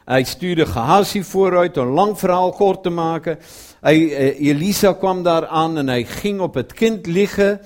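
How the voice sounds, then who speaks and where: A man preaching a sermon who retells a Bible story, drops to a low murmur for quoted lines and puts questions to his listeners. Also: a little slow, a little mellow.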